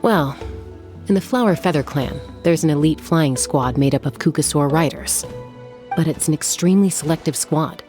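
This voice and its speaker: A woman playing a calm, confident, protective tribal guardian in a video game, speaking in a measured, reassuring way. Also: low-pitched, lightly acted. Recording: music behind the voice.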